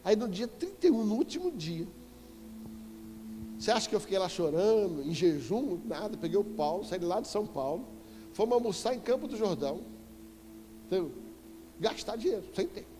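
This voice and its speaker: Animated Brazilian preacher man in echoey hall. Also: high-pitched, normal speed, long pauses, slight background noise. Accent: Brazilian Portuguese. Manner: animated, emphatic storytelling with sudden loud exclamations. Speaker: apostle preaching. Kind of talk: storytelling sermon. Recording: echoey church hall with faint music.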